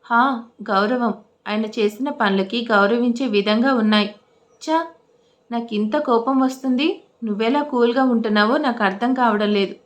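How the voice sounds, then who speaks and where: A woman doing a bitter young man in an audio story, scolding tone, fairly high voice. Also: normal speed, close to an everyday voice. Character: angry, resentful young man, a son.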